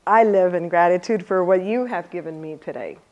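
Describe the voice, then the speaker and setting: A woman giving a motivational talk to a live audience, lively and often laughing, asking the room questions. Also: on the low side, fairly quick, highs cut off. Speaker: speaker leading a workshop.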